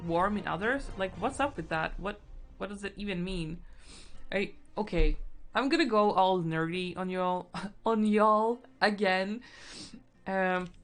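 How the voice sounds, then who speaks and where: A young woman streaming while she paints, chatting casually and thinking out loud, with lots of fillers and giggles. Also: mid-range voice, a little slow. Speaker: artist streaming a painting session. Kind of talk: casual stream-of-consciousness chat. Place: indoors at home. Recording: faint background music.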